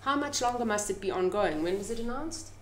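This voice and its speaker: A woman's voice: medium pitch, lively intonation, a little fast, slight background noise. A middle-aged woman from South Africa with a South African accent, speaking emphatically as an activist on a press conference panel. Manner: impassioned, emphatic. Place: press club conference room. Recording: echoey room.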